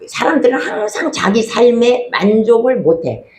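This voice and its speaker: A woman's voice: on the high side, expressive, moderate pace, a little mellow, slight background noise. Woman preaching in an echoey hall. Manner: conversational preaching, emphatic repetition, rhetorical questions. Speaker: pastor. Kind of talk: sermon.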